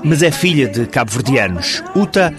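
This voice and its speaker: A man's voice: mid-range voice, very animated, moderate pace. A man reading a scripted magazine-programme narration as presenter. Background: music.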